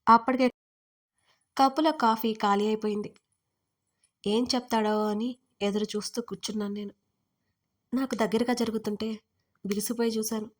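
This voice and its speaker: A woman storyteller giving an expressive, dramatic first-person narration of a scripted romance story. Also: on the high side.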